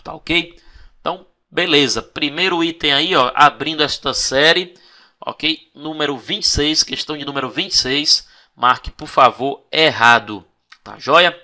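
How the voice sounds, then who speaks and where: Bright-voiced man teaching. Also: a little high, moderate pace. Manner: lively, coaxing, constant "ok?" and "né?" checks. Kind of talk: exam-prep video lesson.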